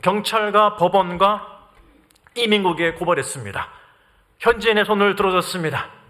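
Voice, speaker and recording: A man's voice: sits high, moderate pace, pushed and bright. A middle-aged man from Korea preaching a sermon as a missionary, telling his story with earnest rhetorical questions to the congregation.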